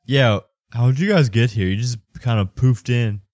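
A man's voice: medium pitch, normal speed, a little mellow, dry recording, studio quality, lightly acted. Man putting on a slurring town drunk. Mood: tipsy, easygoing. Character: slurring, drunk, laid-back tavern-guild employee man.

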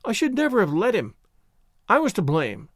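A man acts out a naive young woman from a storybook, pitched high and swooping with feeling. The voice is small and hesitant, quavering as it pleads stubbornly in distress. The recording is very dry and close. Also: huge pitch swings, moderate pace, no room sound, heavily acted. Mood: firm, defensive. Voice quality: faint, small voice. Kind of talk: dramatised audiobook story reading.

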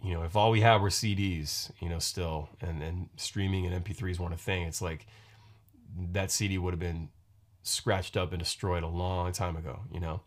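A man in his forties hosting his own podcast, talking casually in a rambling, halting way, full of restarts and fillers. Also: deep voice, steady tone. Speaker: podcast host and musician. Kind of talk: casual solo podcast monologue. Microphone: podcast microphone.

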